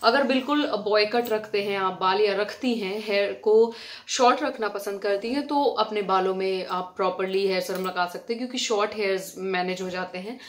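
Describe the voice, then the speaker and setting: A woman's voice: mid-range voice, normal speed. Chatty Indian woman hair-care vlogger. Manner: chatty, friendly, addresses viewers as friends. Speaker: beauty vlogger. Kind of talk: casual hair-care tutorial. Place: indoors at home, fan switched off.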